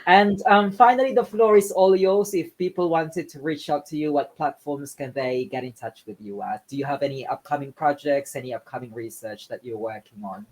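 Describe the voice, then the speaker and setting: An interview host who talks in a friendly way, asks quick questions and laughs along with the guest. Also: medium pitch. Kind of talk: interview hosting.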